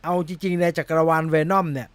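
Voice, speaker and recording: A man's voice: a little high, normal speed, smooth, dry recording. A young man hosting a casual film-news chat, rambling and laughing at himself as he fumbles over a name. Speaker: movie news host.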